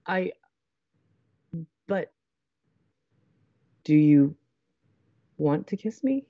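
A woman playing an anxious, stubborn young college radio host in an audio drama, with a flustered, halting, emphatic way of talking. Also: low voice, expressive, lo-fi sound, full character voice. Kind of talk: naturalistic audio drama acting.

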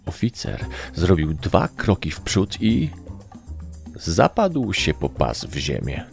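A man narrating a story in a deep, gravelly voice. His pitch swings widely as he reads, and he pushes his voice up for the characters. Faint music plays under the reading. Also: slow pace. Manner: lively storytelling, shifts into raised voices for characters. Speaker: audiobook narrator. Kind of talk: dramatic audiobook reading with acted voices.

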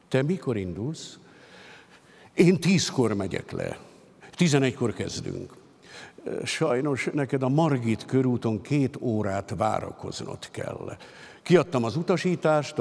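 A man voicing a composed male official who calmly lays out the steps for moving a prisoner, speaking in measured, businesslike instructions. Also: mid-range voice, creaky. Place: concert hall stage at a literary gala. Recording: long hall reverb.

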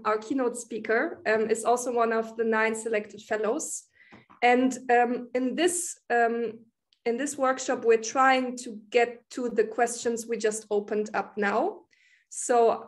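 A woman organizing an online panel, speaking hesitantly with many fillers over a laptop video call from home. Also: on the high side.

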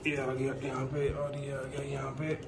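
A man's voice: medium pitch, completely flat delivery, normal speed, vocal fry, loud music behind the voice. A man vlogging casually outdoors, playfully teasing and coaxing children as he chats to the camera. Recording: noisy outdoor camera audio.

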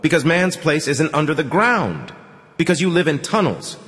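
Casting note: urgent, impassioned young man, read by a male narrator, lively swings in pitch, long hall echo. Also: moderate pace, lightly acted. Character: weary young man pleading to leave the tunnels.

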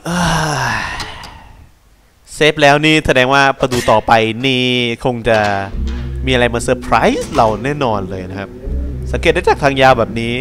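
A man's voice: mid-range voice, animated, normal speed, music in the background. A young man giving casual, crude, joking commentary while playing a horror game, talking back at the game. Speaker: gameplay commentator.

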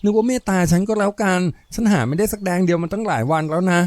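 Guy doing a poor young working girl from a novel, high voice, whiny pleading, kinda indignant. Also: quick pace, a little mellow, no room sound, lightly acted. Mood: wheedling. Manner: wheedling, plaintive, indignant. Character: young, poor, pleading female prostitute, a mother.

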